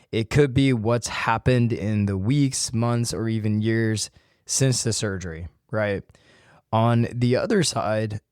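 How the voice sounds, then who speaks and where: Hosting his own solo podcast, a man chats casually and speaks straight to his listeners. His fairly low, slightly mellow voice is a little hoarse and worn from illness. He is also a physical therapist, and the studio sound is clean with no echo.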